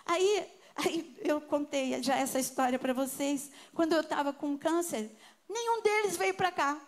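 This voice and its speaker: An older Brazilian woman preacher giving a sermon with personal testimony, telling her story with emotion and swinging between soft and loud. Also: sits high, measured pace.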